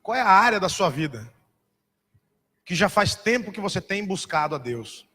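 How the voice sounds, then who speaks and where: A man preaching a sermon as a pastor, telling a story in an animated, dramatic way and mimicking other voices. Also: high-pitched, moderate pace, slightly rough, soft background music. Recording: reverberant hall.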